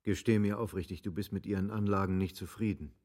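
A man's voice: low-pitched, fairly even intonation, fast talker, a little mellow. An actor playing a cultured, touchy, eloquent nobleman husband in a German radio play, speaking in an articulate, declamatory way. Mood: frank, inquiring.

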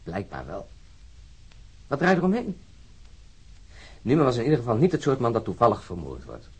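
A man playing a wry, reflective, argumentative police colleague in a crime radio drama, with a husky voice. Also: medium pitch, wildly swooping pitch, normal speed, darkish tone, exaggerated voice.

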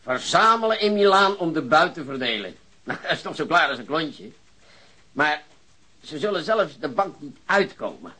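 Excitable, gloating husky police investigator. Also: male voice, fairly high pitch, normal speed, exaggerated voice. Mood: confident, gloating. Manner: exclamatory, repeats words, gloating. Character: excitable, gloating male police investigator eager for a big catch. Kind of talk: Dutch radio drama acting.

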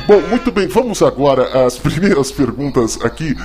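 A man with a Brazilian accent hosting a comedy call-in lesson as a mock teacher, halting and stammering over his explanations. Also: fairly high pitch, sing-song, a little mellow, soft background music. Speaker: host playing a mock English teacher.

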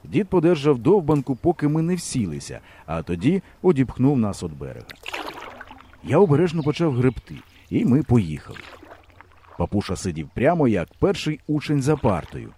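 Man reading an audiobook, mellow tone, lots of melody in it. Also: mid-range voice, big pitch swings, moderate pace, slight background noise. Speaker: audiobook narrator. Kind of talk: storybook reading.

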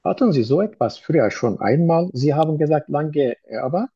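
A man taking a patient's history as a doctor in a role-play, speaking slowly and haltingly with many hesitations. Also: on the high side, animated, dark tone, breathy edge, dry recording. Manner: slow, halting, many "äh" and "mhm". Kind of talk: medical exam role-play. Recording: dull lo-fi recording.

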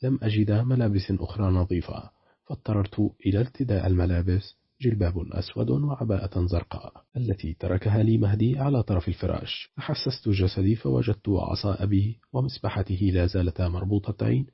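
A man narrating an audiobook in a steady, measured reading. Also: on the low side, creaky, slightly rough, dry recording, highs cut off.

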